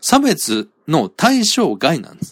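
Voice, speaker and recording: In a very clean recording over total silence, a man's voice comes through. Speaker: solo podcaster. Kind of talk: casual solo monologue. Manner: burping between lines.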